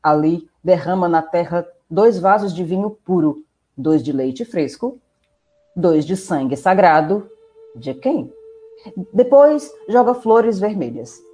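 A woman's voice: fairly low pitch, animated, slow pace, mellow. A woman with a Brazilian accent, narrating a scripted tale in a theatrical, playful way.

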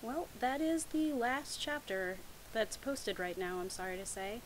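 Young woman, kinda high voice, reading fanfic out loud n snarking on it, sarcastic asides. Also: animated, measured pace, slight background noise, rough recording. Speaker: host of a comic fan fiction reading series. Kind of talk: reading fan fiction aloud with mocking commentary.

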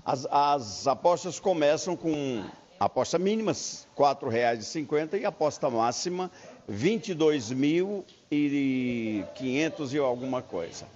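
Older man, fairly high voice, cheerful folksy interviewee on handheld mic in a lottery shop, muffled broadcast sound. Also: expressive, measured pace, a little mellow. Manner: folksy, upbeat salesman talk. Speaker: lottery federation president. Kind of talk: live TV interview. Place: busy lottery shop indoors. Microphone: handheld reporter mic. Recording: muffled broadcast field audio.

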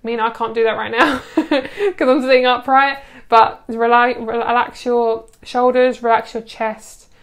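A woman's voice: fairly high pitch, measured pace. A young adult woman giving a chatty, soothing tarot card reading to camera, gushing over the cards with lots of fillers.

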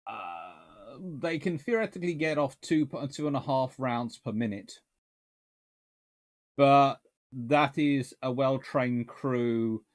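A man, a naval historian answering viewer questions in a casual live Q&A, rambling and correcting himself as he thinks aloud. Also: medium pitch. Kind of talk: casual livestream Q&A. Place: small home study lined with books.

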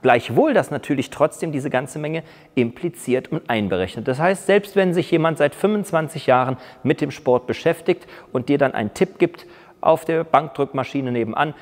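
A man's voice: a little high, normal speed. A man in his forties, a fitness trainer, talking emphatically to camera in a large indoor gym. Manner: emphatic, argumentative, lively gestures. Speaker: fitness YouTuber. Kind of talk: opinionated monologue to camera. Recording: long reverb in a big gym hall.

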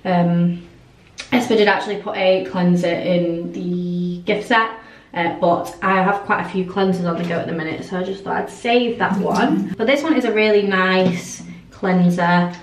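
A young woman, vlogging casually to camera, a little croaky from a cold, with lots of ums. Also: on the low side, normal speed, a little hiss or hum. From England. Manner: chatty, friendly, many ums. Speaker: beauty vlogger. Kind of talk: casual vlog chat to camera. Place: hotel room and tiled bathroom. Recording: echoey room sound.

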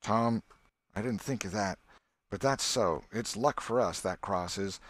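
A man's voice: fairly low pitch, unhurried, a bit bright, dry recording. A man reading an audiobook, voicing a wary, superstitious country boy with a plain drawl. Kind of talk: audiobook character voice.

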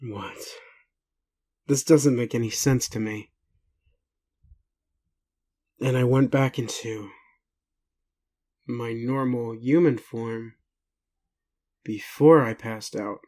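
A man playing a groggy, gentle, doubting werewolf in an intimate audio roleplay, speaking tenderly and haltingly to the listener as a doting caregiver. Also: mid-range voice. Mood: doubting, tired.

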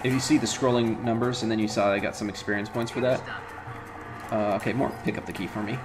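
A man's voice: fairly low pitch, steady tone, fast, music in the background. A man in his thirties casually commenting on the game he is playing, thinking aloud with lots of fillers at home. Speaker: let's play host. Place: home room.

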